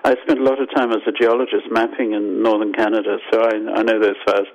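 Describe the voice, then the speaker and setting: An older man from Zimbabwe, a scientist guest explaining things thoughtfully in a radio interview, with restarts and lively asides. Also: fairly low pitch, fast talker. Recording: dull lo-fi phone line.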